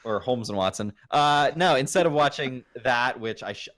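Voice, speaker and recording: A man's voice: mid-range voice, animated, normal speed, a bit bright. A man co-hosting a casual podcast, mock-boastful, swearing and stumbling over his words. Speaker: podcast co-host.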